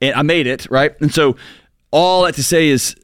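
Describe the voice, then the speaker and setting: A man in his forties co-hosts a casual podcast discussion, sounding earnest and reflective, with emphatic outbursts where his pitch suddenly jumps. He talks at a normal speed, and the studio-quality recording carries no room sound.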